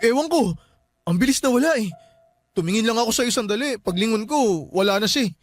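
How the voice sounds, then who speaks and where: An actor playing a nervous, excitable young man at a wake, in a radio drama. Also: very high voice, a little fast, dry recording. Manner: jumpy, excitable.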